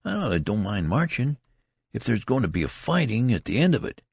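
A loud young soldier full of swagger and country talk, his voice jumping high and all over the place, as a man reads him. He bristles when doubted, with a gravelly, husky edge underneath. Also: big pitch swings, moderate pace, no room sound, studio quality, heavily acted. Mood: boastful. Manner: country dialect, boastful and indignant. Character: boastful loud young male soldier, brash and touchy. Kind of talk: audiobook character reading.

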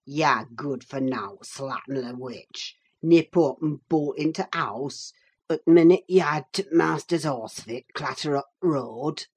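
Woman doing a sour old servant, croaking and low. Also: slow, exaggerated voice. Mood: spiteful. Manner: croaking, spiteful.

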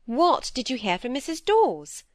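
A stern old spinster, as a woman reader puts her on, raised a little in pitch and sharp with authority. She scolds briskly and impatiently, every word a command. The recording is dry and close. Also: very animated, dry recording. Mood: indignant. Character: stern, brisk elderly spinster elder sister.

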